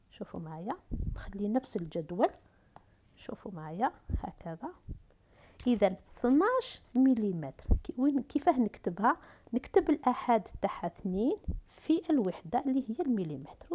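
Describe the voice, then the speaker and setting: A woman's voice: on the high side, warm tone, a little hiss or hum. Woman teacher with an Algerian accent. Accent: Algerian Arabic. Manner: talks through steps slowly, asks and answers herself. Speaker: math and physics teacher. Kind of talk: whiteboard lesson for middle school.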